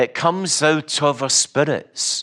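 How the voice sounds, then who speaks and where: A man with a Scottish accent. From Scotland. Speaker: preacher. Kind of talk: sermon. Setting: church.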